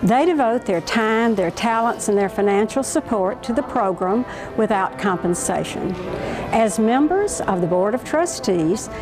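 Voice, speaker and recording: A woman giving scripted narration for a promotional video in an even, informative way. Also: medium pitch, measured pace, poor audio. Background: music.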